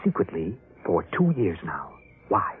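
An American actor playing a smug, scheming, henpecked husband, breezy and patronizing, in 1950s radio drama style. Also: male voice, low-pitched, huge pitch swings, unhurried, husky, exaggerated voice. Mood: breezy, confiding. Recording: muffled, tinny old 1950s radio recording.

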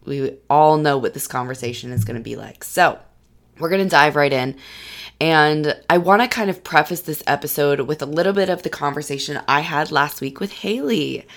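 A young woman hosting her own podcast as a lifestyle coach, hoarse from losing her voice, chatting warmly and encouraging listeners directly. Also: sits low, moderate pace. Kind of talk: solo podcast monologue. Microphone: studio podcast mic.

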